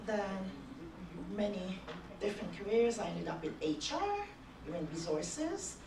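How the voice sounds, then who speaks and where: A woman's voice: mid-range voice, big pitch swings, unhurried, creaky, darkish tone, recorded from a distance, a little hiss or hum. Chatty woman speaking in an echoey hall. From Canada. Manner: chatty, anecdotal, laughs often. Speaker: conference speaker. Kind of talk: conference talk. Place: conference hall.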